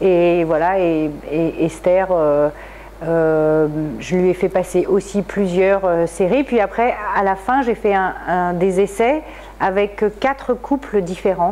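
The woman's voice sits at medium pitch with ordinary pitch variation. She speaks very slowly. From France. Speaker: film director. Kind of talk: interview. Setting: film festival in Moscow. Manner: hesitant, many fillers. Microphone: lapel.

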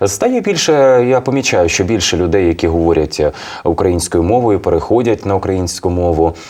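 A man talks fairly quickly while background noise is clearly audible. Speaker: radio host and announcer of state events. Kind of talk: interview answer, casual talk in a morning TV show.

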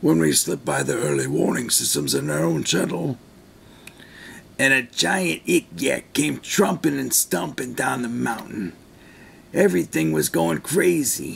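This is a put-on character voice. Clear background noise runs underneath it. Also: man, very deep, low pitch for a man, moderate pace. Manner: rambling, reminiscing.

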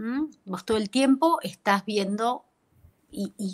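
A woman speaks with lively intonation at a fairly slow pace, the background quiet. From Argentina, Arrecifes (Buenos Aires province). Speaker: Argentine emigrant and mother sharing experience. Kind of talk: interview conversation. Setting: video call on live stream. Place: home room. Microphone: earbuds.

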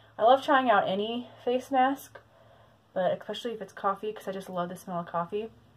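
A woman speaks with ordinary pitch variation and a somewhat breathy voice. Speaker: beauty YouTuber. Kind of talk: product review demo. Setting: at home. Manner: casual, rambling.

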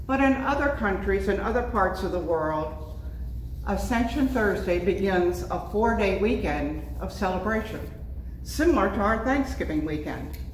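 In a room with audible echo and light background noise, a woman speaks at a moderate pace. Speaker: priest. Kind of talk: sermon introduction and prayer. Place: hall. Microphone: camera far.

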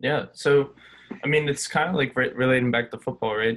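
This is a man speaking. His intonation stays fairly even. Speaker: podcast host. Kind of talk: casual interview. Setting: video call. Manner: casual, filler-heavy. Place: home room. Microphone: video call.

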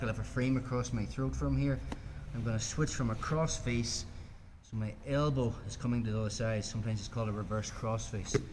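A man's voice amid noticeable background noise. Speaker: jiu jitsu instructor. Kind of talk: tutorial. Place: gym.

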